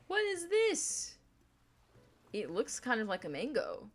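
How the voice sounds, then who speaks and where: A young woman with a deep voice chatting casually on a gaming livestream, rambling in a playful, laid-back way. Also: wildly swooping pitch, slow. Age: young adult.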